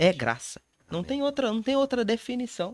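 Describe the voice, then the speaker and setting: A man's fairly quick delivery with lively intonation and a dry, echo-free sound. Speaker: podcast host. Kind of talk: casual interview. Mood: earnest, devotional. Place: studio. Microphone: studio mic.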